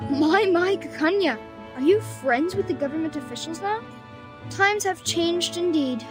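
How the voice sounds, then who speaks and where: Cheeky high voiced street kid, teasing n sardonic game character, loud music behind. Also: female voice, animated, measured pace. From Bosnia and Herzegovina. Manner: teasing, theatrical, talkative. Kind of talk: video game story voice acting.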